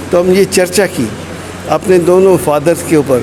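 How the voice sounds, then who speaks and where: Intonation stays fairly even over noticeable background noise. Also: man. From Nakodar, Punjab, India. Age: 70s. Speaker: author. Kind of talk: interview.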